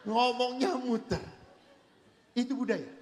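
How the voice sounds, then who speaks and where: A male Catholic priest giving a humorous seminar talk, an animated storyteller who acts out voices and jokes with his audience. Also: very high-pitched, a little slow, a little hiss or hum. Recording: reverberant hall.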